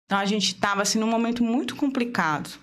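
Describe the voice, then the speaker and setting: Brazilian woman in her thirties, podcast guest, lively storyteller who plays out the dialogue, voice sits a bit high. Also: fast talker. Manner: animated, acts out dialogue, laughs while telling. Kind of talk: emotional personal storytelling. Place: podcast studio.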